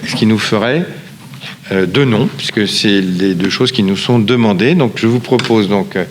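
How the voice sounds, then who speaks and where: Guy running a town council meeting, explains stuff formally w repeats, reverby hall, bit of noise. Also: fairly low pitch. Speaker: local official chairing a town council meeting. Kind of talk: formal council presentation, semi-improvised. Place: large echoing meeting room.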